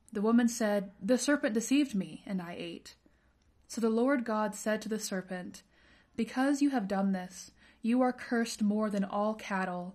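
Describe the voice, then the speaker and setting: A woman speaks at a moderate pace in a fairly high, somewhat breathy voice. Her pitch varies in an ordinary way against a quiet background. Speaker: panelist reading scripture. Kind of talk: scripture reading and discussion.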